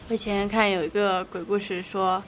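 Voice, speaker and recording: A woman's voice: medium pitch, moderate pace, soft background music. A young woman co-hosting a casual chat, telling a ghost story and acting out each character's lines. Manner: animated storyteller, acts out the lines. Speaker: co-host.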